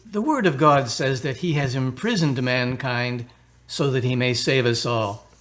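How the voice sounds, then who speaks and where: A man acting as an earnest, kindly Catholic priest in a radio drama, gently persuasive and a little hesitant. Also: medium pitch, unhurried, natural voice. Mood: earnest preaching.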